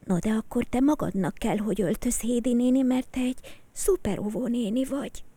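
Woman voicing a quiet, helpful little boy. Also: fairly high pitch, dry recording, pitched above the performer's own voice, close to an everyday voice. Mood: shy. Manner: calm, matter-of-fact child.

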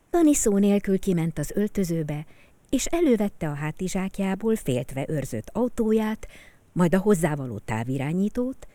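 A woman narrating a children's story in a soft, expressive way. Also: lowish voice, no echo.

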